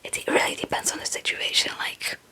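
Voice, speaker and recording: A woman's voice: a little fast, bright, forceful tone. A young woman who is a non-native English speaker whispers in a casual, rambling ASMR chat, often hesitant and self-deprecating. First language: not English. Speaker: ASMR video creator.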